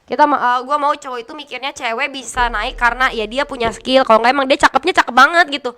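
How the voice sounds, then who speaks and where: A woman's voice: sits high, quick pace, sharp tone, clean tone. A young woman, a gaming caster chatting bluntly as a podcast guest. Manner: chatty, blunt, laughs often. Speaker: guest, esports caster and streamer. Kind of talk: casual podcast interview.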